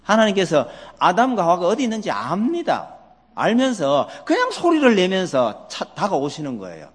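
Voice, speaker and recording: A pastor preaches a sermon in a high-pitched, slightly breathy voice at normal speed. He animatedly asks his congregation many questions and acts out quoted voices. The recording carries a long hall reverb.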